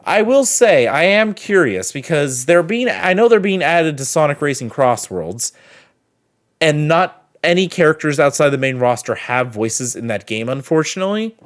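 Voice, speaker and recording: A man with a chatty, expressive manner hosting a reaction video and giving casual commentary and review. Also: on the high side, moderate pace.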